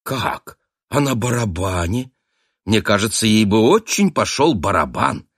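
A man's voice: fairly low pitch, very animated, unhurried, slightly rough, no echo, studio quality, full character voice. A man voicing a tired, sarcastic husband who answers his wife coldly and mockingly in an audiobook. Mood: sardonic, weary. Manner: sardonic, clipped, through gritted teeth. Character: weary, sarcastic adult husband, cutting and cold.

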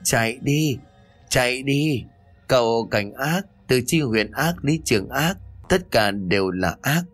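A man's voice: medium pitch, expressive, takes it slowly, a bit bright, faint music behind. A man voicing a frightened, childlike, deranged old village woman who pleads, whimpers and repeats herself. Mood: terrified.

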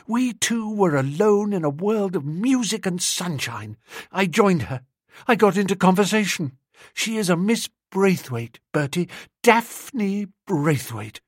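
A man voicing an excitable, lovestruck young upper-class man who gushes eagerly and rushes his words. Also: high voice, no room sound, studio quality, voice pushed up, heavily acted. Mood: gushing. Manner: gushing, eager, rushing ahead.

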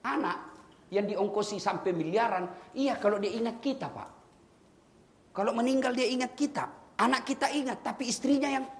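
A man preaching a humorous sermon to a congregation, teasing his listeners and building up to loud calls. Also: very high-pitched. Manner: jokey, teasing, rising to loud exhortations.

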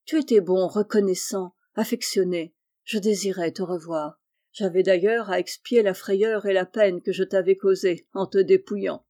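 Taking on the role of a benevolent, well-off middle-aged painter, a woman narrator speaks softly and comfortingly to the young men he looks after. The delivery sits at medium pitch and moderate pace, lightly acted, warm and tender like a storybook.

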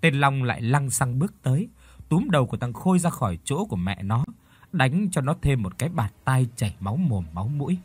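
A man narrating a story in an expressive, lively reading, close to the mic. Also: mid-range voice, brisk, slightly rough, no echo. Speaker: audiobook narrator.

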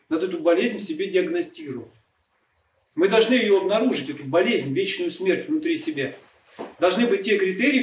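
A man preaching a sermon, explaining earnestly and asking rhetorical questions. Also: high voice. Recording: echoey room, distant mic, faint noise.

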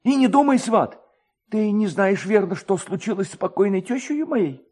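A man's voice: sits high, lively intonation, normal speed, darkish tone, pitched above the performer's own voice. A man voicing a superstitious, talkative village distiller in a storybook reading, anxious and pleading in manner. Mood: alarmed.

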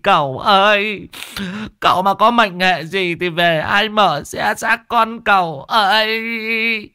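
A man voicing a melodramatic old male servant who laments in a shrill, sobbing way. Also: takes it slowly, bright, forceful tone, clear, resonant tone, no echo, studio quality, exaggerated voice. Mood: wailing.

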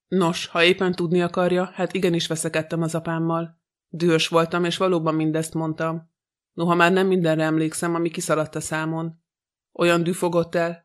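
A storybook's defiant young son, bitter and hot-tempered, as a male narrator reads him. The delivery stays flat and even. The voice sits a little high for a man. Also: lightly acted.

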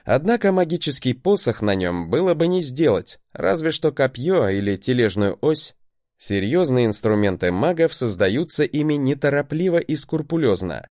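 A man's voice: mid-range voice, sing-song, normal speed, darkish tone, dry recording, studio quality. A man giving a wry, conversational first-person audiobook narration.

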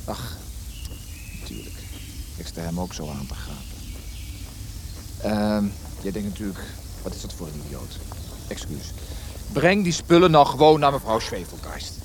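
An actor playing a haughty young officer cadet in a radio drama, blustering and impatient. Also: male voice, lowish voice, sing-song, normal speed, pauses often, noisy background. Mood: flustered. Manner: blustering, impatient, stammers in indignation.

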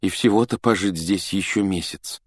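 A man voicing a polite, anxious teenage boy wizard in an audiobook, speaking in hushed, urgent, apologetic tones. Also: low-pitched, normal speed, husky, no room sound, studio quality. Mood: earnest. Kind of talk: audiobook character voice.

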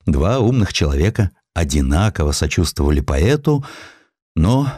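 A man reads scripted literary narration in a deep voice. His delivery is dramatic and expressive, with lively swings of pitch. The sound is close and dry, with no room around it. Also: normal speed, slightly rough, dry recording. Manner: expressive, theatrical storytelling. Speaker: audiobook narrator.

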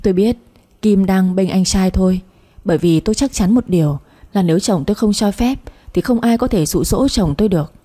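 Husky woman telling a story. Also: mid-range voice, a little fast, dark tone. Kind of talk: first-person story narration.

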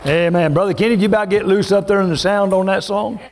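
High-voiced folksy preacher. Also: male voice, fairly even intonation, background noise. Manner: folksy, joking, drawn-out preaching. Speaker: pastor. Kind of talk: sermon.

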